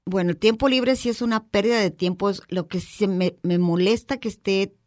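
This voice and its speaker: A woman's voice: mid-range voice, moderate pace, no echo. A woman with a Mexican accent co-hosting a radio show, making dry, wry remarks in casual chat. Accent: Mexican Spanish.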